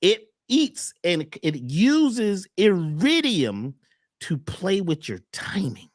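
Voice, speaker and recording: A man talking as a wellness coach on a talk show, emphatic and repetitive, often jumping high on key words. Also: huge pitch swings, slow pace, no echo, clean studio sound. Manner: emphatic, repeats phrases, swoops up on key words. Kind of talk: animated talk-show conversation.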